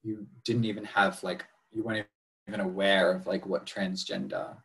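A man's voice: low-pitched, little pitch movement, moderate pace, gravelly, fairly bright tone, low-quality recording. A man co-hosting a podcast, asking questions hesitantly and carefully with many fillers. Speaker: podcast co-host. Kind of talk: interview questions.

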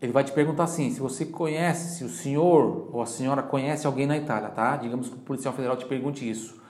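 A Brazilian man with a Brazilian Portuguese accent teaches Italian in a voice of middle pitch. He stretches each phrase out slowly and loudly so learners can repeat it, then talks quickly in his asides. The room has a noticeable echo. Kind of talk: language lesson.

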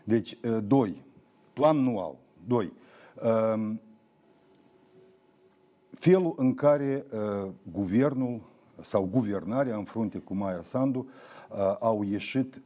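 A man's voice: on the low side, dark tone, highs cut off. A man arguing as a guest on a studio political debate, combative, numbering his points with frequent fillers. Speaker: talk show guest, former deputy.

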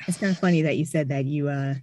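Woman host, low-pitched, relaxed and curious, interview chat, dry recording. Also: fast, no room sound. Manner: relaxed, curious, asks follow-up questions. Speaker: podcast host.

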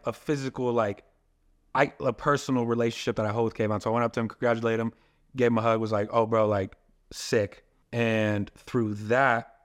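A young man, a filmmaker and photographer, talking casually as a podcast guest and telling long rambling stories. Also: mid-range voice. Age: young adult. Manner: casual, rambling storytelling with many "like" fillers.

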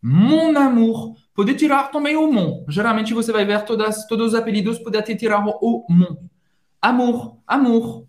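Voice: mid-range voice, moderate pace. A speaker co-hosting a casual podcast lesson and modeling phrases in a chatty way. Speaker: French teacher co-host. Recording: roomy echo.

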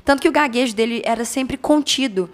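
A woman in a casual film review chat, talking in an animated way, correcting herself and laughing often. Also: on the high side, fairly quick, soft background music.

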